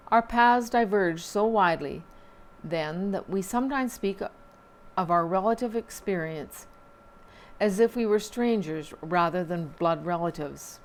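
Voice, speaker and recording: A woman's voice: lowish voice, a little hiss or hum. Woman reading the local paper aloud. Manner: measured reading with small slips and asides. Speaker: newspaper reader on local TV. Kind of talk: reading newspaper items aloud.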